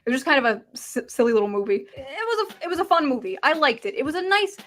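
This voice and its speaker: A woman giving scripted video commentary, sarcastic and deadpan with playful asides, played back from an online video. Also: high voice, fast. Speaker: video essayist.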